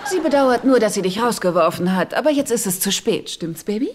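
A woman acts out a seductive, scheming sitcom gold-digger, brazen and sure of herself. Her voice is mid-pitched, with clear noise in the recording. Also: expressive, brisk, close to an everyday voice. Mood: catty. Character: brazen, seductive, scheming female con artist. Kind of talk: dubbed sitcom dialogue. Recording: clearly noisy background.

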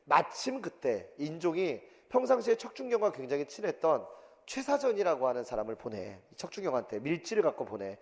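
A man teaching an exam-prep history lecture in a lively, colloquial way, full of asides and rough everyday speech. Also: on the high side, brisk, big-room sound. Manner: lively, colloquial, acts out quotes with swearing.

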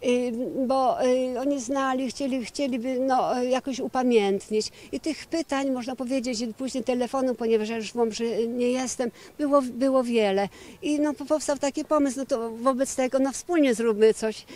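A middle-aged woman, a nun, answering questions outdoors into a handheld reporter mic, halting with many fillers and restarts. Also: high-pitched, steady tone, darkish tone. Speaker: nun, book organizer. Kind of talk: outdoor news interview. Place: outdoors by a church building.

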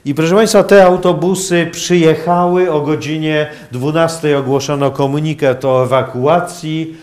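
A man giving a public lecture in a halting, hesitant manner with long pauses. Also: fairly high pitch, steady tone, darkish tone. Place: university lecture hall, indoors.

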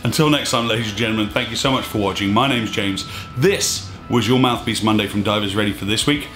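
A man in his thirties hosting a scuba diving vlog, talking emphatically and a bit exasperated, his voice slightly hoarse. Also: on the low side, fast talker. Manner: emphatic, exasperated, gestures with hands. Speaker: scuba diving channel host. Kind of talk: opinionated to-camera vlog. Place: small indoor studio room. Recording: echoey room with faint music.

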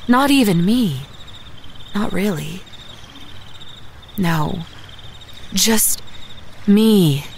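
An actress playing a hardened, wry survivor, giving a sardonic, reflective first-person monologue in an audio drama. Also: female voice, medium pitch, expressive, drawn-out words, gravelly, long pauses, a little hiss or hum, exaggerated voice. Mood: somber, resolute.

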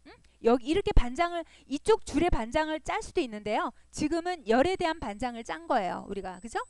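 A woman's voice: high voice, big pitch swings, quick pace, a little mellow, no echo. A woman teaching a web design lesson over a screen recording, patient and repetitive, often checking in with her listeners. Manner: patient, repeats points and checks in with "그죠?". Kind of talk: screen-recorded coding tutorial.

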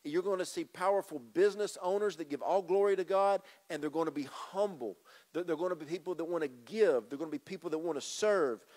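This pastor, a middle-aged man, gives an emphatic sermon into a handheld mic, repeating phrases to the congregation as he walks the stage and gestures. A drum kit sits on the church stage. His voice is high-ish and darkish in tone, a little fast.

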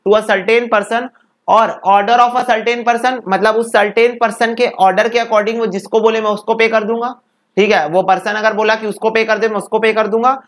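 Guy teaching law for exams, slowly drills definitions bit by bit, quizzes himself out loud. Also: high-pitched. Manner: drills definitions phrase by phrase, asks students to repeat; questions and answers himself. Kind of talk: exam-prep law lecture.

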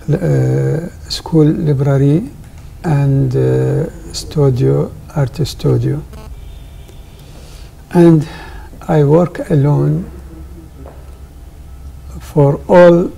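An older man speaks very slowly in broken English, stopping often to find words. His voice is gravelly, dark and husky. He is miked on a lapel in a studio. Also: a little high, poor audio. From Iraq. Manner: halting non-native English with frequent pauses. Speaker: guest artist. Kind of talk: interview answers. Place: television studio.

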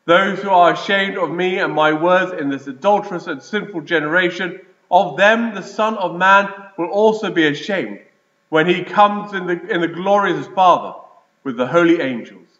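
Priest with a big church echo. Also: male voice, high-pitched, fairly bright tone. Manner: measured liturgical delivery. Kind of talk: gospel reading and sermon. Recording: echoey church, dull lo-fi sound.

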